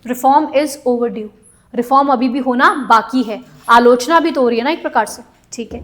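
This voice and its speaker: A woman's voice: fairly high pitch, fairly quick, a bit bright. A woman teaching an online class, mixing Hindi and English and calling on students by name.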